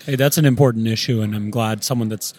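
A man's voice: lowish voice, fairly even intonation, fast, darkish tone. A man co-hosting an interview podcast with casual, informal and encouraging banter. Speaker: podcast co-host.

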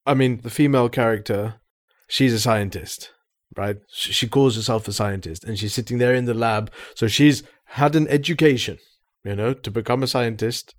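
A man's voice: mid-range voice, normal speed. A man in a casual discussion, explaining his ideas with enthusiasm.

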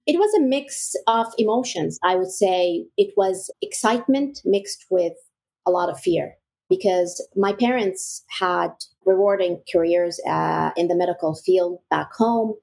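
A young adult woman from Egypt, a real estate broker talking casually as an interview guest, warm and quick to laugh. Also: lowish voice, gravelly.

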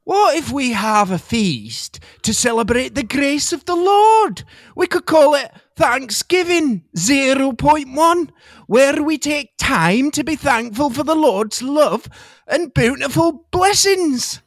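A man playing a humble, excitable Scottish settler in an amateur comedy play, exclaiming theatrically and eagerly. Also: very high voice, takes it slowly, dry recording, exaggerated voice.

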